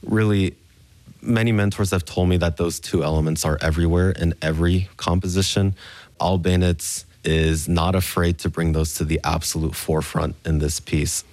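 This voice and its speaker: A young man from Memphis speaks in a very deep, low voice, weighing his words with care. The sound is dry and close, with no room ring, as he answers questions in a radio studio. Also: steady tone, a little mellow, dry recording. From Memphis, Tennessee, USA. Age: young adult. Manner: measured, thoughtful explaining. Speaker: concert pianist. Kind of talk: reflective interview answers.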